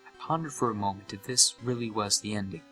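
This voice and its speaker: A man's voice: on the low side, expressive, quick pace, bright, forceful tone, faint music behind. A young man playing an uneasy gamer who narrates a scripted horror story with dramatic, suspenseful delivery. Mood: uneasy, reflective. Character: uneasy young male gamer recounting a haunted game.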